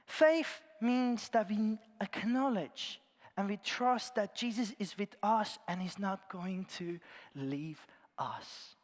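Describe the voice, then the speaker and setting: A man from Iran, preaching a sermon in an earnest storytelling way, his phrases often trailing off softly at the ends. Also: sits high, slow. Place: large church. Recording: long church reverb.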